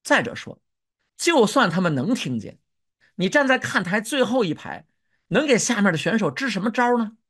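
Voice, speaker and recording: A pastor preaching a sermon, telling a story with animated delivery and acting out shouted cries. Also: mid-range voice, moderate pace, husky.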